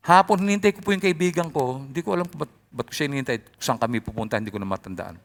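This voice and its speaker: A male pastor preaching a sermon in an animated way, his voice often rising loud. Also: mid-range voice, very fast.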